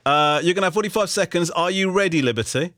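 A man's voice: high voice, quick pace, a bit bright, no room sound, studio quality. Chatty self-deprecating male radio host. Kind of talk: lively radio chat.

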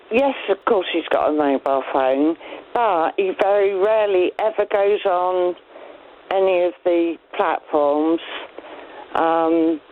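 A woman in her fifties comes through a narrow, tinny landline phone connection. She calls in to a radio show and speaks in an earnest, halting way, restarting and repeating her words. Her voice sits at an ordinary middle pitch for a woman. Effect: over a landline phone. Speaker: caller. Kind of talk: phone-in chat.

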